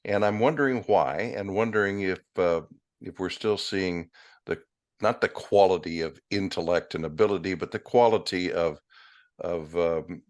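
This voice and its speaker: A middle-aged American man hosting a casual interview, musing his way haltingly through his thoughts. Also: deep voice. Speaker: interview host.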